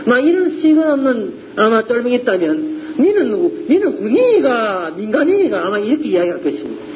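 A man's voice: very high-pitched, brisk, highs cut off. A man with a Gyeongsang accent preaching a sermon, acting out the voices of the people in his examples. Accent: Gyeongsang Korean. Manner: animated, acts out voices of scoffers and soldiers. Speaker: pastor.

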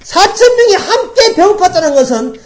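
Emphatic, lively-voiced woman preaching a sermon. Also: extremely high pitch, moderate pace. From grew up in Daegu, South Korea. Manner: emphatic, repeats key phrases, swings from loud to hushed. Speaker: pastor.

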